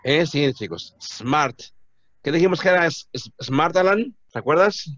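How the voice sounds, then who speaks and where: Male English teacher drilling beginner students, animated delivery, patient repetition, dull dry audio. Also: a little high, dry recording. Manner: patient, repeats words slowly for pronunciation. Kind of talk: classroom teaching, mixing Spanish and English. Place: classroom.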